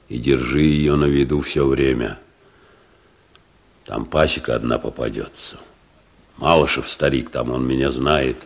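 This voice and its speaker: A man playing a stern, embittered old peasant father in a radio drama, gruff and curt, with speech. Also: very deep voice, exaggerated voice. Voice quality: gravelly, husky.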